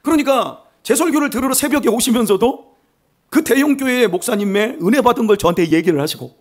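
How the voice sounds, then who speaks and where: Older man, Chungcheong accent, high husky voice, lively church sermon, joking. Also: fairly quick. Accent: Chungcheong Korean. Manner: animated, humorous, self-mocking preaching. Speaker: pastor. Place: church sanctuary.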